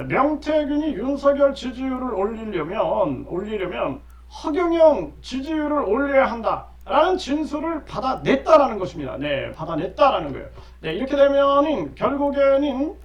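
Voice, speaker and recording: A man's voice: very high voice, a little hiss or hum. A middle-aged man giving lecture-style political commentary as a channel host, emphatic and repeating his key phrases with frequent affirming fillers. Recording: roomy echo, distant mic, dull lo-fi sound.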